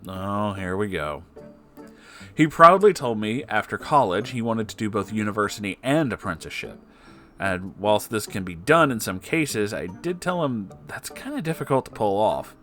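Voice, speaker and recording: A man's voice: fairly low pitch, lively intonation, normal speed, sharp tone, faint music behind. A man hosting a story reading, narrating an online tale expressively and conversationally, with asides of his own. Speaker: host reading Reddit stories.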